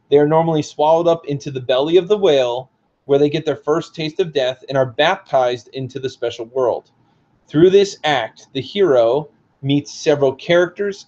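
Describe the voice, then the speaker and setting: A hoarse man with a slightly high voice reads passages from his own book aloud. He breaks in with casual asides to explain them. The recording sounds dull and lo-fi. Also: darkish tone. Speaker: author.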